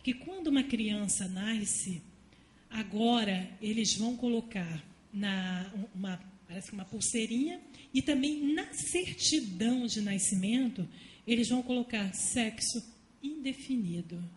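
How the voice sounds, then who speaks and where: A woman giving a fervent sermon at a women's church service, mixing homely stories with loud appeals. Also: on the high side, expressive, unhurried. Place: church hall. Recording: echoey church room, faint noise.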